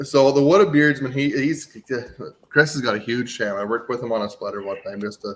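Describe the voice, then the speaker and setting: Speaking very fast with an Ontario accent, a man shows ordinary pitch variation. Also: medium pitch for a man. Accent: Canadian English (Ontario). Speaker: wood splitter maker and YouTuber. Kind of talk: casual chat. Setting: live stream call.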